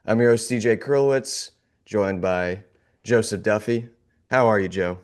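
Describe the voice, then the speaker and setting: A man's voice: fairly low pitch, moderate pace. A man hosting a casual sports podcast, his voice a little off as he recovers from an illness, talking in a glum, wry way. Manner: glum, sarcastic, laughing off the gloom. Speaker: podcast host.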